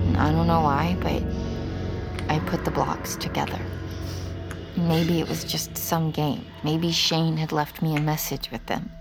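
Actress as a distraught mother, low-voiced and tense, over a heavy music bed. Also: creaky. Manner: strained, pleading, cracking into shouts. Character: frantic young mother searching for her son. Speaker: mother of a missing boy, narrator. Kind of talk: audio drama acting and narration.

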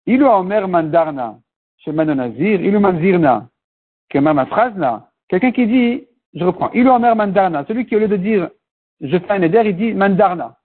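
A man's voice: high-pitched, animated, normal speed, breathy edge. A man teaching a Talmud class, explaining step by step and mixing in Hebrew and Aramaic terms. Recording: tinny phone-like recording.

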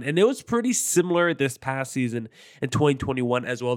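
Young male podcast host, stuffy and nasal from allergies, casual and upbeat, rattles off stats, mid-pitched voice. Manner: casual, energetic, stat-heavy rundown. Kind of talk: solo sports podcast commentary.

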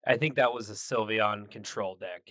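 Bright-voiced joking man, dry sound. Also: fairly low pitch, moderate pace, dry recording. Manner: joking, laughs often, many fillers and restarts. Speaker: podcast co-host. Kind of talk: casual chat.

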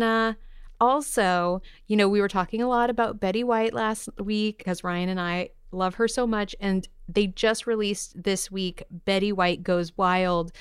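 A woman's voice: mid-range voice, clear, resonant tone, dry recording, studio quality. A woman co-hosting an entertainment podcast, sharing news in a bubbly, playful, enthusiastic chatty style. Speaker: podcast co-host. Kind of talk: upbeat co-hosted podcast chat about entertainment news.

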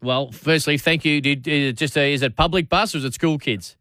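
A man's voice: on the high side, a little fast, pushed and bright, no echo. An Australian man hosting sports talkback radio, matey and chatty, often restarting his phrases. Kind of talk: casual talkback commentary. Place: radio studio.

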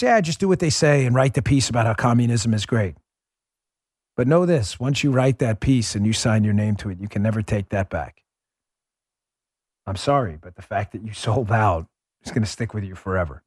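On a dry recording, a middle-aged political podcast host delivers a monologue into a studio mic, speaking emphatically. He calls his listeners "folks" and swings between loud and quiet, dropping his voice low to stress a point.

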